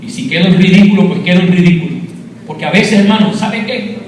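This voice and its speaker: A man's voice: high voice, quick pace, a little mellow. A man from Rico, giving a fervent testimony sermon and calling his listeners brother. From Puerto Rico. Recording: echoey hall, distant mic, noisy.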